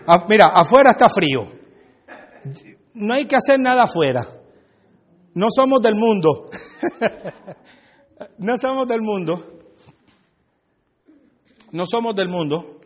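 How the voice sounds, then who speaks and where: A man's voice: sits high, animated, slow, long pauses, big-room sound. A Puerto Rican man from Brooklyn, preaching a joking, conversational sermon and talking back and forth with his congregation. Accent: Puerto Rican Spanish. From USA (Brooklyn), Puerto Rican family. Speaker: pastor. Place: church hall.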